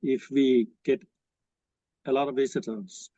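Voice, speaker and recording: Guest: man with a Danish accent, speaks haltingly with fillers, dry and slightly dull sound. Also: mid-range voice, steady tone, dark tone, no room sound. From Denmark. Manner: halting, with many pauses and fillers. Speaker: guest, executive director of a cultural association. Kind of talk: casual interview answers.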